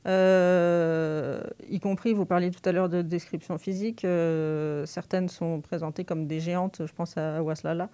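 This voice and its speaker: A woman university lecturer answering radio interview questions thoughtfully, pausing often with fillers as she thinks. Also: lowish voice, steady tone, mellow, clean tone. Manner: thoughtful, hesitant with frequent fillers.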